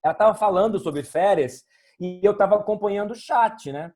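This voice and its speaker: A Brazilian man with a rather high voice speaks as a guest on a live webinar over a video call. He tells his story in a lively, anecdotal way. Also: moderate pace, faint music behind. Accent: Brazilian Portuguese.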